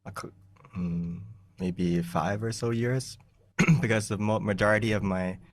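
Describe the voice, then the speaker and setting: A young man with a low voice teaches meditation in an easygoing way, laughing now and then and clearing his throat. He talks into a desk mic in a small room. The sound is dry and a little distant. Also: steady tone, unhurried, dry recording. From United States. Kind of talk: relaxed teaching talk over a video call. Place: small plain room indoors. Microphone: large desk mic in front of him.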